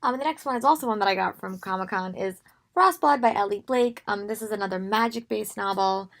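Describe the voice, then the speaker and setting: Young woman, hoarse, gravelly fry, strained voice, rambling casual book chat. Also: medium pitch, brisk, background noise. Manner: rambling with frequent ums. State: losing her voice, hoarse. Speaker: book vlogger. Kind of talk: casual book haul talk.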